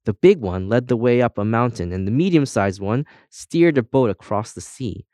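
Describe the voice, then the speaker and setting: A man's voice: medium pitch, normal speed, dark tone, dry recording, studio quality, close to an everyday voice. Man voicing a breezy, cocky female brass compass. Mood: proud. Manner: breezy, boastful, colloquial. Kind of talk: children's audiobook character voice.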